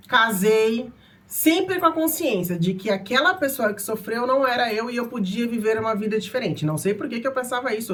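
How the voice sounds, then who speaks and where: Emotional Brazilian woman telling a story. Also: a little high. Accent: Brazilian Portuguese. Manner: emotional, animated, shifts between soft and loud. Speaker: channel host. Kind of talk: personal storytelling to camera.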